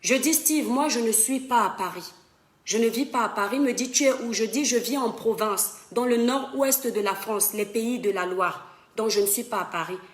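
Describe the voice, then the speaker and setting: A woman's voice: on the high side, normal speed, reverberant. Impassioned woman on a live stream. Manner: impassioned, addresses viewers as "mes étoiles". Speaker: social media live streamer. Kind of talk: emphatic Facebook live monologue. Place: home in western France.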